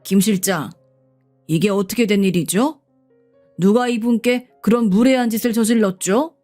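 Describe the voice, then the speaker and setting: A woman's voice: mid-range voice, moderate pace, dark tone, close to an everyday voice. A woman voicing an older male company chairman who speaks in a commanding yet familiar way, over faint background music.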